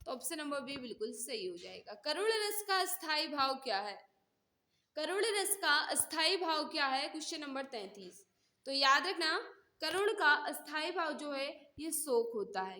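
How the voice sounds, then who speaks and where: A woman hosts an exam-prep quiz lesson in a high-pitched, bright, forward voice. She reads each question out, often says it again, and prods listeners to answer before explaining the solution. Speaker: teacher hosting an online exam-prep class.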